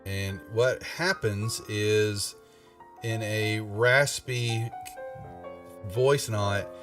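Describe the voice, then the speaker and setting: A low-pitched man, some way from the mic with music behind him, leads a tabletop game. He narrates casually and haltingly, repeating and restarting phrases as he goes. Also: steady tone, distant mic. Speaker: game master. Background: background music.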